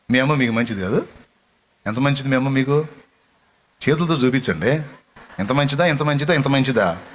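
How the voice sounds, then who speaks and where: Man preaching an impassioned sermon. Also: mid-range voice. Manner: storytelling that builds to impassioned exhortation; asks the congregation direct questions. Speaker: pastor.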